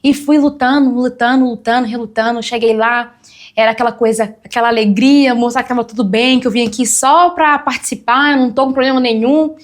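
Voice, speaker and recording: A woman's voice: fairly high pitch, fairly even intonation, a little fast. A young woman, telling her testimony as a guest on a church talk show and acting out the voices of people she quotes. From Brazil.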